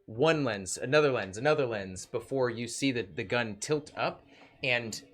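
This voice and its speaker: A man's voice: mid-range voice, normal speed, a bit bright. A man narrating a tabletop role-playing game as game master, filling his descriptions with ums and likes. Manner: hesitant, many ums and likes.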